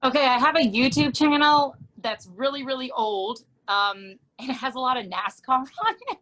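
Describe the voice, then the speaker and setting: A woman's voice: sits high, normal speed, a bit bright, rough recording. A woman in her thirties from New Jersey, a music teacher chatting casually in an interview, with a tired, worn voice and lots of ums.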